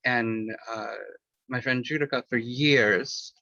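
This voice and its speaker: An author appearing as an interview guest answers a question in a loose, rambling way, full of fillers and restarts, and talks candidly about personal matters. His mid-range voice sounds pushed and bright, with fairly even intonation and a slow pace. The lo-fi recording is dull and dry, with no room sound.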